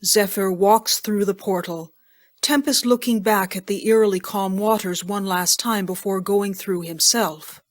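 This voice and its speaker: A woman's voice: mid-range voice, steady tone, measured pace. A woman reading scripted scene narration for an audio drama.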